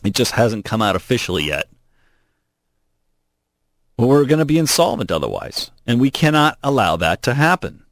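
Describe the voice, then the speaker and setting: A man hosting a talk radio show, telling stories and giving opinions in an animated, opinionated way. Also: medium pitch, normal speed, pauses often, no room sound. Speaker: radio host. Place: college radio studio.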